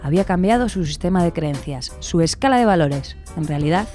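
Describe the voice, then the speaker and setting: A woman's voice: on the low side, animated, a little fast, warm tone, soft background music, natural voice. A woman in a radio play narrating a hopeful tale in an earnest, scripted storytelling style. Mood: earnest, measured.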